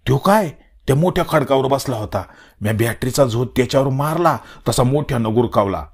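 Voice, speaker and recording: A man's voice: medium pitch, brisk, slightly rough. A man voicing a village man with a rural Marathi dialect, urgently reporting a leopard he saw. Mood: alarmed. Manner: urgent, shouting, excited.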